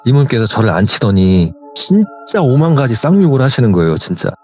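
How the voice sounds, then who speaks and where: A man's voice: mid-range voice, fairly quick, soft background music. A man recounting his own true ghost story as a guest, acting out the dialogue he quotes. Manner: animated, acts out quoted dialogue.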